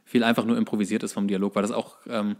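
A man's voice: fairly low pitch, flat delivery, quick pace. A man co-hosting a podcast in a casual, conversational style about films. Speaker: podcast co-host.

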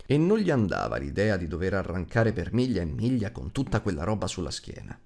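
A man narrating an audiobook in an expressive storytelling style. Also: deep voice, brisk, creaky.

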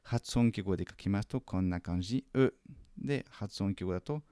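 A man teaching French in a lesson video, patiently correcting a student's homework and repeating French phrases slowly and carefully. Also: sits low, warm tone, no room sound, studio quality.

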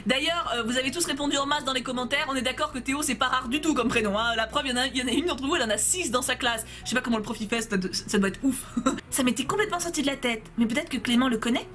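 A young woman plays a story game, reading every character's dialogue aloud in her own voice and chatting playfully with viewers between scenes. Her voice is high-pitched and racing, with a fairly bright tone, and faint music plays behind her.

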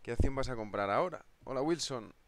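A man's voice: medium pitch, lively intonation, brisk, no room sound. A man with a Spanish accent from Spain, hosting a live trading stream in a jokey, chatty way, answering viewer comments and laughing often. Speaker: trading webinar host.

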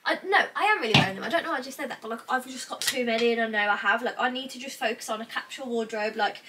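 A young British woman vlogging casually while sorting clothes in her bedroom, thinking out loud with lots of "like", a little congested from a cold, heard from a camera across the small room. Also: a little high, rapid-fire. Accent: British English. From England. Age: young adult. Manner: chatty, thinks out loud, frequent "like". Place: small cluttered bedroom wardrobe room indoors. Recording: distant mic, faint noise.

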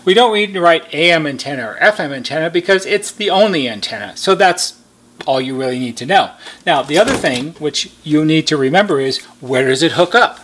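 Higher-voiced American man explaining step by step. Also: expressive, a little fast, fairly bright tone, a little hiss or hum. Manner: methodical, explanatory. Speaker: repair technician giving instructions. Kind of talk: step-by-step how-to demonstration.

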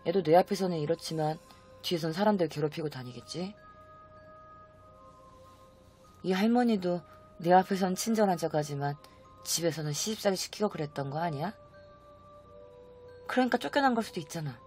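A woman's voice: lively intonation, unhurried, pauses often, faint music behind. Woman doing a brooding, troubled man's inner voice. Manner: quiet, low muttering. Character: troubled middle-aged man brooding to himself.

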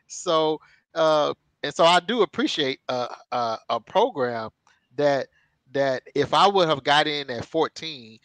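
A co-host in his thirties, on a headset in a home room, chats his way through a casual video-call interview, rambling with many fillers, laughs and asides. His voice is a little high, expressive and a bit bright, and he doesn't rush. The recording is low quality with no room sound.

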